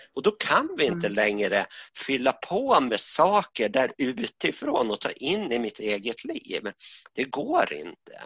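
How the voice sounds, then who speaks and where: At a fairly slow pace, a man talks with a dry, close sound with no echo. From Sweden, Västerås. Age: 60s. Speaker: podcast co-host. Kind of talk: casual conversation about spirituality. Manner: hesitant, many fillers.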